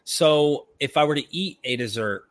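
A man's voice: on the high side, moderate pace. A man from North Carolina with a mixed Southern and Northern US accent, a friendly, self-deprecating guest in a casual chat.

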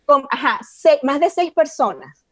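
A woman, a podcast guest telling animated stories and slipping into English phrases. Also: high-pitched, measured pace, crowd noise. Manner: animated, mixes English phrases, acts out voices in anecdotes. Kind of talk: casual storytelling chat.

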